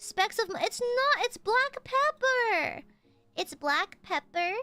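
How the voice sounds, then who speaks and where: A woman with an American accent speaks in a raised, projected voice. Her tone is bright and sharp. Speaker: vtuber streamer. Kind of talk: casual live stream chat. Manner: animated.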